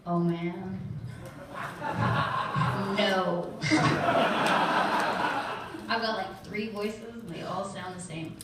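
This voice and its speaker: A woman's voice: mid-range voice, fairly even intonation, drawn-out words, pauses often, very noisy. Modest woman on an echoey convention panel. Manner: modest, laughing, filler-heavy. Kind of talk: casual panel Q&A answers. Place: large convention hall. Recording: echoey hall, camera far from stage.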